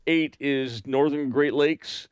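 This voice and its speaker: A man from California with a neutral American accent reads survey results aloud on a radio talk show. He is matter-of-fact and dry. His voice is mid-pitched and the studio sound is close and dead. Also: steady tone, slow pace, clear, resonant tone, no echo. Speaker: radio co-host. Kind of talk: casual studio banter, reading survey results.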